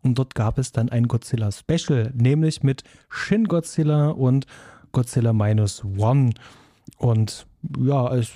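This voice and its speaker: Chatty German man with a mellow voice. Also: mid-range voice, a little slow, no echo, studio quality. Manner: chatty, many filler sounds, enthusiastic. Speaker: podcast co-host. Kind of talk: casual film podcast chat.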